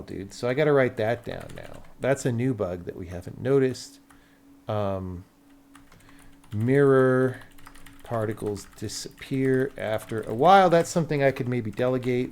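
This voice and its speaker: A man's voice: medium pitch, expressive, normal speed, a little mellow. An American man talking casually on a livestream as a game developer, blunt and sweary, thinking aloud as he explains things to viewers.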